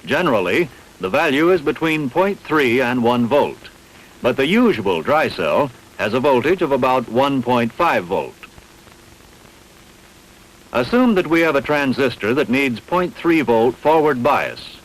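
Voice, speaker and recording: Man narrating with lively intonation. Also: medium pitch, poor audio. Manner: measured, didactic, carefully enunciated. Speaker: training film narrator. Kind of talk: scripted instructional narration.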